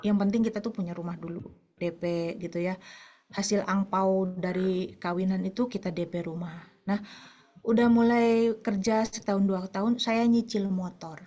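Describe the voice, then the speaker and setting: A woman's voice: medium pitch, fairly even intonation, normal speed, mellow, highs cut off. A woman preaching to a women's fellowship in a chatty way, telling personal stories and addressing the listeners as mothers. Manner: conversational, anecdotal, addresses listeners as "ibu-ibu". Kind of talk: sermon.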